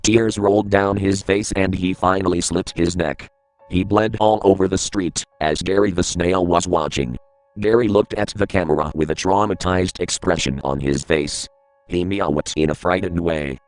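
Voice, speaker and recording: A man narrating a creepypasta horror story in a steady, grave reading voice. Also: low-pitched.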